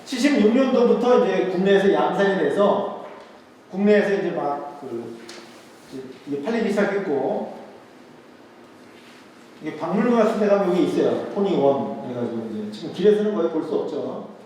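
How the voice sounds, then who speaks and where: Male lecturer, higher pitch, chatty style that repeats key points, recorded from afar in a reverberant hall with faint noise. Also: expressive, normal speed, pauses often, darkish tone. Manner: conversational, asks rhetorical questions and repeats key words. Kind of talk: history lecture to an audience. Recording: echoey hall, voice picked up from a distance.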